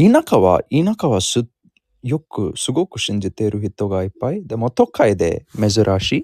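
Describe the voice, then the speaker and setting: The man's voice has a dark, mellow tone. His pitch swings very widely. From India. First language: not Japanese (Indian native speaker) (speaking Japanese). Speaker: language exchange partner, office worker. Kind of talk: casual chat. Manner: halting.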